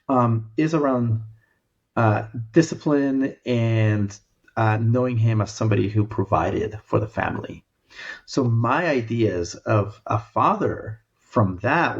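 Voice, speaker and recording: A man in his late forties from El Salvador with a gravelly, husky low voice. He talks thoughtfully as a podcast guest, often pausing and restarting, and the recording sounds slightly dull. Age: 40s. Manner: thoughtful, many fillers and restarts. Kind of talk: reflective conversation.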